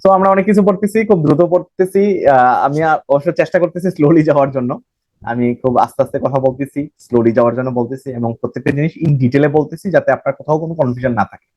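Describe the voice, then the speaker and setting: A man's voice: mid-range voice, rapid-fire, a little mellow, no room sound. A man from Bangladesh, giving a recorded banking lecture and repeating phrases as he explains. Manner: explains by repeating phrases, mixing in English terms, self-corrects. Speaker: banking exam tutor.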